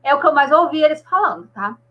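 A woman chatting on a video call, telling a story in an animated way. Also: high voice, fast talker, highs cut off. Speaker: live stream participant. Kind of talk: casual chat on a video call.

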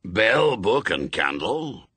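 A man voicing an old, zealous male witchfinder sergeant who barks orders in a gruff, pompous way. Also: fairly low pitch, very animated, takes it slowly, sharp tone, no echo, full character voice. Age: older.

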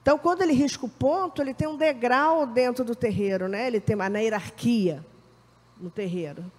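Female spiritual leader, lively talk to her congregation, acts out the voices she quotes, echoing hall. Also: a little high, brisk. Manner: animated, acts out quoted voices, often asks "né?". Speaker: Umbanda spiritual leader giving a lecture. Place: temple hall. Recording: reverberant hall.

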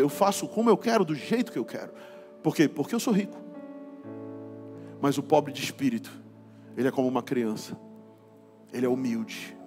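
A man's voice: on the high side, darkish tone. A man pastor with a Brazilian Portuguese accent preaching a sermon, casual and slangy, building to fervent passages. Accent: Brazilian Portuguese, from Belém.

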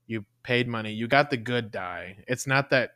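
A woman's voice: a bass voice, moderate pace, fairly bright tone, no room sound. A woman co-hosting a podcast in a casual chat, blunt and emphatic, swearing freely. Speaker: podcast co-host.

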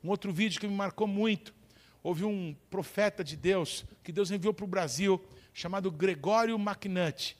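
A male pastor with a Brazilian accent preaches a fervent sermon. He keeps calling to the congregation for responses. His voice is high for a man. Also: moderate pace. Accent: Brazilian Portuguese. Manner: fervent, repeated call-and-response.

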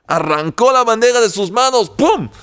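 A man telling a religious folk tale to listeners in a lively, animated way. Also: very high-pitched, moderate pace, smooth. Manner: lively, animated, laughs at his own tale. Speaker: storyteller.

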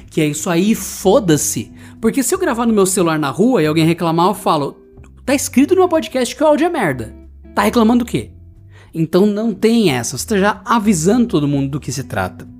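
A man's voice: fairly high pitch, darkish tone. A man with a Brazilian Portuguese accent hosting a solo podcast, telling a story in a blunt, profane, indignant rant. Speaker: podcast host. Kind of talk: solo podcast monologue, ranting anecdote.

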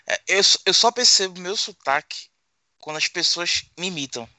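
A man's voice: high-pitched, expressive, normal speed, bright, forceful tone, no echo. A man chatting casually, emphatic and given to repeating himself. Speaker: tabletop group member. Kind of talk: casual chat.

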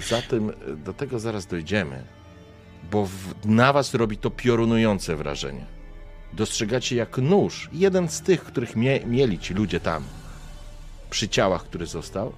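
Low-voiced man narrating dramatically. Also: sing-song, a little slow, faint music behind. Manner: dramatic, vivid scene narration. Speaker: game master. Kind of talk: narrating a tabletop game.

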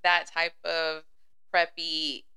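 A woman's voice: sits low, completely flat delivery, slow pace, bright, forceful tone, smooth. A woman in her thirties, a guest on a casual chat, agreeable, often saying yes and laughing. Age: 30s. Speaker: guest, boutique owner.

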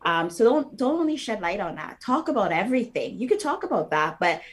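A woman's voice: mid-range voice, very animated, a little fast. A woman author talking about her children's books in a casual interview, earnest and thoughtful, with frequent fillers and restarts.

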